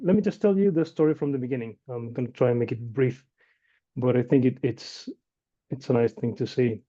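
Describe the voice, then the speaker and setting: Man from Chile presenting, dark lo-fi sound. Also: mid-range voice. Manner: conversational, with frequent fillers and restarts. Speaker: inventor and company founder presenting. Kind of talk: webinar presentation. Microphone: video call. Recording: dull lo-fi video call audio.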